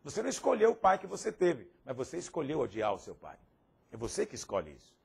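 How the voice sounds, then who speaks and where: A man's voice: fairly high pitch, wildly swooping pitch, fast talker, creaky, slightly rough. A man teaching a Bible lesson in a pastoral course, asking rhetorical questions and acting out the people he quotes. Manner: asks frequent rhetorical questions; acts out quoted speakers.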